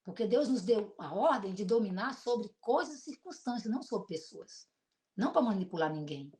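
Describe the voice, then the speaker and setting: A middle-aged woman pastor with a Brazilian accent and a deep voice, preaching an emotional sermon built on personal testimony. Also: normal speed. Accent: Brazilian Portuguese. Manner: emotional, animated storytelling with shifts between loud and soft.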